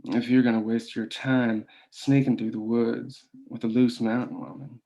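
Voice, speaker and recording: A man's voice: medium pitch, flat delivery, normal speed, gravelly, mellow, close to an everyday voice, rough recording. A man playing a stern, domineering mine boss and father in a script table read. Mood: stern, threatening.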